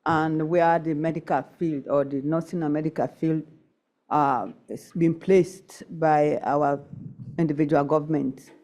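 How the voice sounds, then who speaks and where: A middle-aged woman, a nurse and council member, giving an impromptu comment at a conference session in a deliberate, emphatic, halting way. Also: sits low, steady tone, a little mellow.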